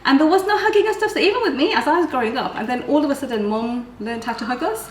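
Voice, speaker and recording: A woman in her thirties talks quickly and practically as she walks through a recipe in her home kitchen. Her voice is mid-pitched, and the camera mic catches a fair bit of room echo and faint ambience. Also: sing-song, slight background noise. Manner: practical, explains steps plainly. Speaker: guest cook. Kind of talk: casual cooking demonstration.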